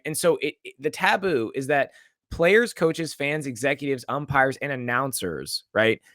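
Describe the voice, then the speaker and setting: A man's voice: medium pitch, dry recording, studio quality. A young man co-hosting a podcast, telling crude, joking sports stories in casual chat. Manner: animated storyteller, crude and joking. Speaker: podcast co-host.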